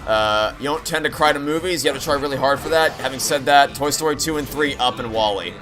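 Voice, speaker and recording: Game music fills the background as a man streams and talks quickly in a medium pitch. He rambles through casual chat and commentary, tossing out dry, sarcastic comments.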